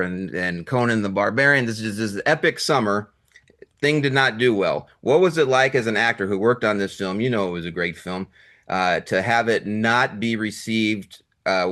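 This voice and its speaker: A man's voice: on the low side, a bit bright. A man hosting an interview, putting long, enthusiastic film questions to his guest. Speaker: interviewer, host.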